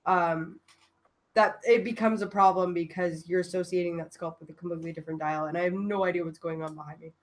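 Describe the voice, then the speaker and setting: A woman's voice: on the low side, fairly even intonation, fast talker, a little hiss or hum. Woman, podcast co-host, casual chat, filler-heavy. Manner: chatty, lots of "like".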